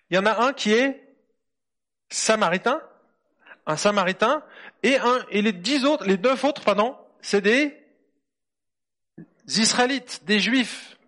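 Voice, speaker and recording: Male preacher with a high-pitched voice, informal family sermon, engages his audience with questions. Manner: asks the audience lively questions. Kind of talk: conversational sermon for children and adults.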